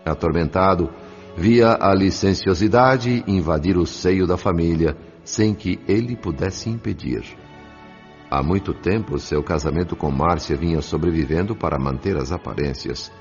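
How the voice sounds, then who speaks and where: A man's voice: deep voice, normal speed. A man giving scripted, dramatic narration for an audiobook radio drama. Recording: dull audio over soft music.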